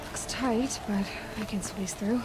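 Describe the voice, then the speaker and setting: An actress playing a young, curious, self-reliant tribal huntress in a video game, wryly talking to herself. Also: female voice, medium pitch, measured pace, background noise, natural voice. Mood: musing. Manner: muttering to herself, wry.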